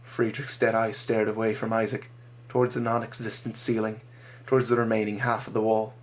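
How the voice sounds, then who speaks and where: Man narrating his own dark story. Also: lowish voice, level tone, brisk.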